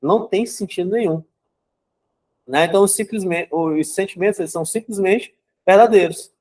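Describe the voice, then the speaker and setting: A man's voice: high-pitched, moderate pace, a little mellow. A young adult man giving a casual psychology talk, conversational and checking in with listeners as he explains. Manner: conversational, keeps asking "né?" and "certo?".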